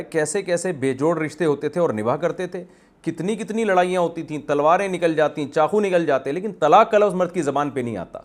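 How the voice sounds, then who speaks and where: Man, mufti answering questions, argumentative, repeats points, slightly high voice. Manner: argumentative, repeats points with examples, conversational "na" tags. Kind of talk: religious Q&A talk.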